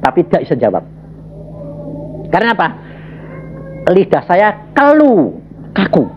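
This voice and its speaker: A male preacher gives a testimony sermon in a slightly high, wildly swinging voice. He dramatizes every turn and talks straight to the congregation. The recording is a little dull and lo-fi, with a faint hiss behind it. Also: measured pace. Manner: animated storytelling, big pitch swings, addresses congregation as "saudara". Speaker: evangelist preacher. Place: church worship hall.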